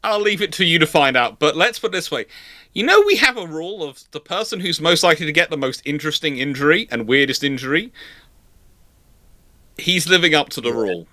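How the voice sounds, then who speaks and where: A man hosting an unscripted live panel discussion, speaking haltingly and rephrasing as he goes. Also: fairly high pitch, big pitch swings, pushed and bright. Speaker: host of a live question panel.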